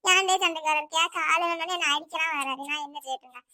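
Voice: very high-pitched, very fast, bright, forceful tone, heavily acted. A performer voicing a tearful, put-upon young village wife in a cartoon, complaining in a Tirunelveli accent. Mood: plaintive. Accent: Tirunelveli Tamil. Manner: plaintive, complaining. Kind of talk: cartoon voice acting.

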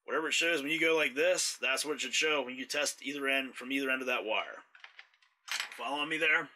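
A man with a very bright, sharp-edged voice walks through a repair job in a workshop. He talks in a relaxed, explanatory way while his hands are busy with the tools. The delivery is casual and patient. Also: medium pitch, fairly quick, slight background noise. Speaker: mower repair technician. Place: indoors, workshop floor.

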